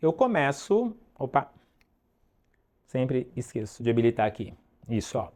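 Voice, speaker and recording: A man teaching an online English lesson, drilling pronunciation slowly and checking in with "ok?" often. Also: mid-range voice, sing-song, a little mellow.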